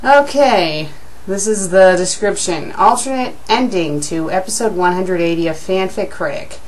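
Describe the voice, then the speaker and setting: A woman hosting a reading of fan fiction, with expressive, amused delivery and casual commentary. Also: medium pitch, normal speed, rough recording.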